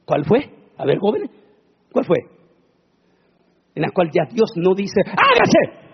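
A man preaching a sermon, dramatic and swinging into shouted proclamations. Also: high-pitched, sing-song, takes it slowly, creaky, husky, highs cut off.

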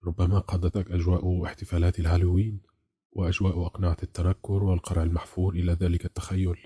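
A man voicing an eager, showy male radio host in an audiobook, with an announcer-like, enthusiastic manner and a low, husky voice. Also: flat delivery, racing, warm tone, dry recording, studio quality.

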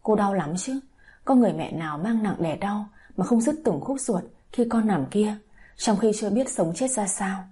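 A woman narrating a dramatic audio story in an emotive, scripted way. Her voice is strongly husky and breathy, with a dark, mellow tone at a middle pitch. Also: expressive, moderate pace.

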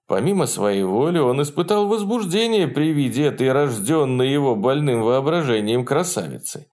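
A man narrating a novel in a measured, expressive scripted reading. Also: mid-range voice. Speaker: audiobook narrator.

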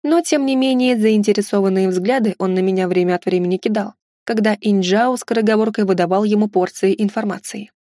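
A woman narrating an audiobook with an even, steady reading. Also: mid-range voice, fairly quick, dry recording, studio quality. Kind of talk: scripted narration.

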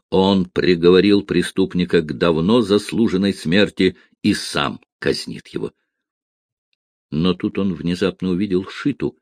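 A man narrating an adventure novel as an audiobook, dramatic and dropping to a hush at tense moments. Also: sits low, dry recording, clean studio sound.

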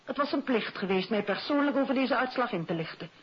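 An actress playing a prim, easily affronted headmistress in a 1950s radio detective drama. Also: female voice, a little high, lively intonation, fast, slight background noise, close to an everyday voice. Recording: muffled old radio recording.

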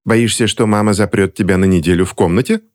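A man's voice: lowish voice, steady tone, fast, lightly acted. A man reading an audiobook voices a sarcastic teenage girl who teases and grumbles. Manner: sneering, grumbling.

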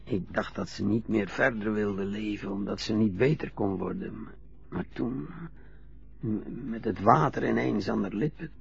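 A guilt-haunted old widower with a low, gravelly, husky voice. He speaks slowly and haltingly and keeps stumbling over his confession. The sound is a dull, lo-fi radio play recording. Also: heavily acted. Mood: troubled. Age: older. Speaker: old man being helped to dress. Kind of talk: radio drama acting.

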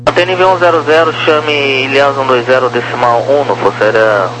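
A man's voice: mid-range voice, steady tone, a little fast. A Brazilian man giving procedural, number-heavy instructions as an air traffic controller over the radio. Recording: noisy humming radio channel.

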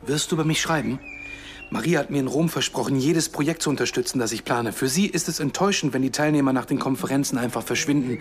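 An actor playing a Palestinian Arab man in a naturalistic radio drama, frank and measured, with dry self-irony. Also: medium pitch, soft background music, lightly acted. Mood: earnest, hopeful.

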